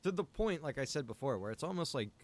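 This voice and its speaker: A man chatting casually on a game livestream, rambling and thinking out loud. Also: fairly high pitch, very animated, fast. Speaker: game streamer. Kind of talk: casual livestream chat while gaming.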